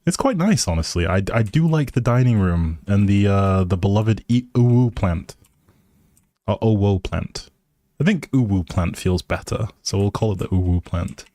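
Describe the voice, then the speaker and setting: A man's voice: on the low side, mellow, dry recording. A man hosting a casual game livestream, talking to his viewers with playful, teasing informal banter.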